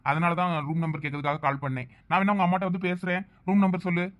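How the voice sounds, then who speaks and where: A man playing a rapid-talking young caller. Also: high voice, little pitch movement, a bit bright. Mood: explaining. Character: young man phoning a girl's family. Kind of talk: comedy skit acting.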